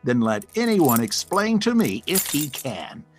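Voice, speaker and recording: A man narrating a scripted story for an audio drama in a theatrical, deliberate storytelling manner. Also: on the high side, sing-song, faint music behind.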